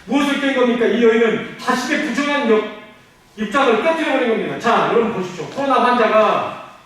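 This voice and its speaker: A man preaching a sermon as pastor, animated, asking the congregation questions and answering them himself. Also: sits high. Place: church sanctuary. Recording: very echoey hall, mic at a distance.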